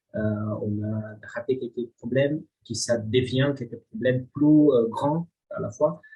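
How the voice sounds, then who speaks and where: A man's medium-pitched, somewhat breathy voice with a dark, mellow tone, a non-native accent and fairly even intonation over a quiet background. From abroad, not a French-speaking country. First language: not French (speaking French). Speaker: student project participant. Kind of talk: group debrief interview. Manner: halting, many fillers and repetitions. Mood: reflective, slightly unsure. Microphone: video call.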